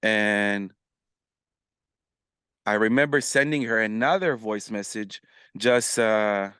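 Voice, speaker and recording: A man with a smooth, resonant voice tells his story as a podcast guest. He talks in an animated, casual way, with plenty of fillers and restarts. The sound is dry and close, with no room echo. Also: fairly low pitch, slow. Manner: animated, many fillers and restarts, acts out quoted messages. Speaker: podcast guest, musician and influencer.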